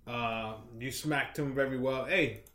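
A man co-hosting a casual, profane podcast chat, telling stories in an animated way. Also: mid-range voice, unhurried, echoey room, over a noisy crowd. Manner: animated storyteller, acts out quotes with shouty put-on voices. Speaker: podcast co-host.

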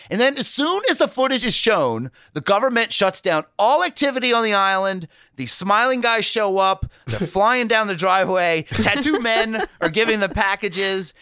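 High, lively, bright-voiced podcast man. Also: clean tone, no echo, clean studio sound. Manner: animated, jokey, acts out quoted people in silly voices. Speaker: podcast co-host. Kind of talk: casual comedic podcast chat.

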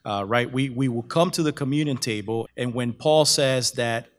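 A man, a pastor and panel guest, explaining his views in a measured way. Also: mid-range voice. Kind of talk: panel discussion.

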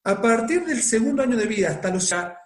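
An Argentine man in his forties speaks about parenting with a reflective, explaining manner. His voice sits high for a man, and he keeps tagging his points with little rhetorical questions. The room around him rings with echo. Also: lively intonation, fairly quick. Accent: Argentine Spanish. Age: 40s. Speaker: psychologist guest. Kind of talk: conversational talk on parenting.

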